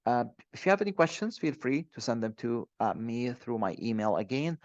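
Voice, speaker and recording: A man's voice: mid-range voice, sing-song, a little fast, a little mellow, no room sound. A man presenting an online training webinar, speaking hesitantly with many fillers and restarts. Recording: dull, dry close mic.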